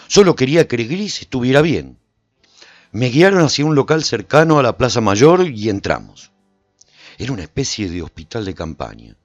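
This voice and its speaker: Man narrating dramatically with lively pitch. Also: no echo, muffled recording. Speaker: narrator and protagonist of a radio serial. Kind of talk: dramatic first-person scripted narration.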